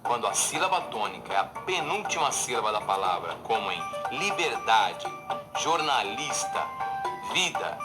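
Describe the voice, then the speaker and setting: A man with a Brazilian accent narrates a lesson in a didactic, scripted way, his medium voice moving expressively. Loud music plays under the voice-over. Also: mid-range voice. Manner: didactic, clear examples.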